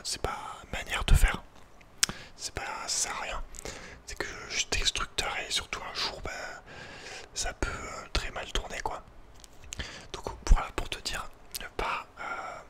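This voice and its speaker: Whispering man, casual ASMR chat. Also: pushed and bright. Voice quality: breathy unvoiced whisper. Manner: hesitant, informal, slangy. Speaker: ASMR video creator.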